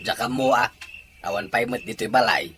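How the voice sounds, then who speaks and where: A man's voice: medium pitch, normal speed, lightly acted. Someone acting a grumbling older Filipino father. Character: grumbling older father, suspicious of his son. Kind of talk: Ilocano audio drama acting. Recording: faint background noise.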